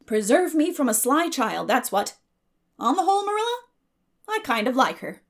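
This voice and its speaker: A woman voicing a blunt, opinionated middle-aged country matron, brisk, emphatic and folksy, in a dramatic audiobook reading. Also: high voice, sing-song, pitched above the performer's own voice, exaggerated voice. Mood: frank, approving.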